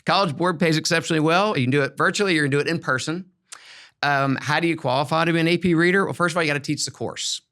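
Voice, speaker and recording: Talking rapid-fire in a fairly high, slightly bright voice, a middle-aged American man hosts a conversational educational podcast. He's a former school principal whose explanations come across upbeat and emphatic.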